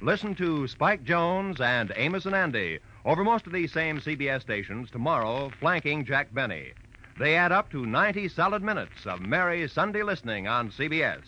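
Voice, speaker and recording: A man's voice: a little high, big pitch swings, moderate pace, sharp tone, slight background noise. A man with an American accent reading scripted announcements as a 1940s radio network announcer. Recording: dull vintage radio broadcast with music.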